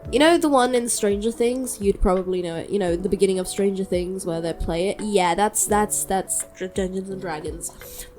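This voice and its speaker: Woman, sick, medium pitch, casual podcast chat, halting and rambling, enthusiastic, informal, soft music in the background. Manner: hesitant, halting, rambling delivery; informal, enthusiastic, mild swearing. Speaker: solo podcast host.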